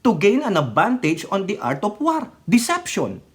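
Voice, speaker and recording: A woman vlogger delivers opinionated political commentary, switching between Tagalog and English mid-sentence. Her medium-pitched voice swoops wildly at a moderate pace as she scolds with rhetorical questions, repeatedly asking "right or wrong?"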